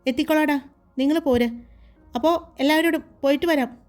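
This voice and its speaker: A woman's voice: sits high, brisk, a little mellow, soft background music, lightly acted. Woman doing a breezy, cheerful young groom.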